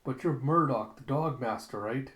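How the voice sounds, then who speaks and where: A man's voice: mid-range voice, moderate pace, a bit bright, natural voice. A man acting a chatty bartender with a plain, deferential, conversational manner. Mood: admiring. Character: chatty bartender, admiring and apologetic.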